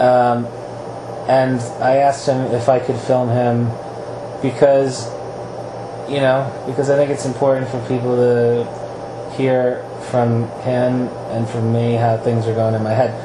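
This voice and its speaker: A man speaks in a flat monotone, leaving long, frequent pauses. Noticeable background noise is present. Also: medium pitch for a man, fairly slow pace. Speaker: cancer patient, video diarist. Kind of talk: casual vlog interview questions.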